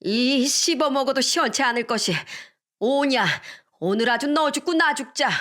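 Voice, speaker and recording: A woman's voice: a little high, moderate pace, fairly bright tone, pitched above the performer's own voice, lightly acted. A woman voicing an elderly grandmother who scolds her son-in-law in blunt, old-fashioned speech. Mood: enraged.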